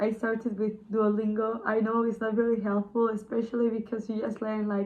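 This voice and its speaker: A woman speaks in a Spanish accent with a fairly high pitch. Noticeable background noise runs beneath her. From Spain. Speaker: exchange student. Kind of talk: interview.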